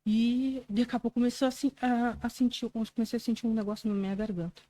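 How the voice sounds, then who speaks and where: Mellow-voiced Brazilian woman giving testimony. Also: a little high, fairly even intonation, fast talker, no room sound, rough recording. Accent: Brazilian Portuguese. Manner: earnest storytelling, frequent "né" tags, acts out quoted dialogue. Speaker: podcast guest. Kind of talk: religious testimony in casual conversation.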